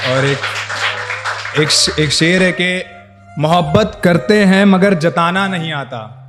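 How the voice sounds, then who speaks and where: Music plays in the background. A man speaks at a high pitch with ordinary pitch variation. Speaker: poet. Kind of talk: spoken word poetry performance. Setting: live stage event.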